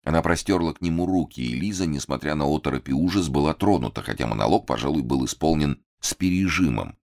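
A man with a very deep voice narrates an audiobook. His reading is measured and expressive, letting the scene build. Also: vocal fry.

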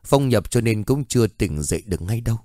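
A man's voice: fairly low pitch, lively intonation, fairly quick, warm tone, no room sound, studio quality, lightly acted. A man reading a story and voicing a woman psychic who leads a team and talks in a persuasive, exclamatory way. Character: smooth-talking woman psychic leading a team.

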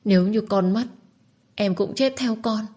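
A woman's voice: moderate pace, darkish tone, close to an everyday voice. A woman voicing a desperate young woman who begs tearfully to keep her child. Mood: pleading tearfully. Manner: tearful, begging, high and pressing.

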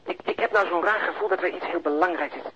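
A man's voice: high-pitched, fast, close to an everyday voice. An actor playing a nervous, ironic perfectionist policeman in a radio drama, wry and at times hesitant. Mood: uneasy. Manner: wry, hesitant, theatrical emphasis. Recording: muffled radio drama recording, clear background noise.

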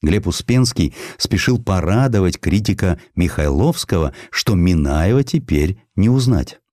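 A man narrating a historical sketch in an expressive scripted style, with dramatic, deliberate phrasing. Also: low-pitched, no echo, clean studio sound. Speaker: audiobook narrator.

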